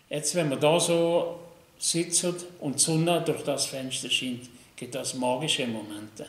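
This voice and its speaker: At a very slow pace, a man talks with a fairly high pitch and ordinary pitch variation. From Upper Valais, Switzerland. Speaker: chapel illustrator. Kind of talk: interview answer. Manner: casual, hesitant.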